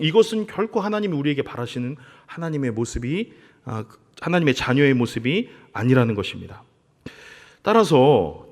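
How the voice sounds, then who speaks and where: A man preaching a sermon as pastor, earnestly addressing his congregation during worship in a church sanctuary. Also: on the high side. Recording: long reverb of a church hall.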